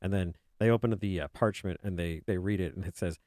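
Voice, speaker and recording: Soft-spoken man with a deep voice. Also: fast, dry recording, studio quality. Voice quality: soothing voice. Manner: rambling, soft-spoken, many fillers. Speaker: artist streamer. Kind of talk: casual chat while drawing on a live stream.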